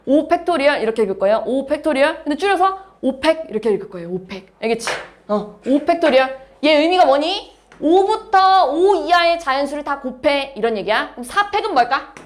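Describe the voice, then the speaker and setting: A woman's voice: high-pitched, big pitch swings, fast, a little hiss or hum. A woman math teacher lecturing a class, explaining step by step and asking her students questions.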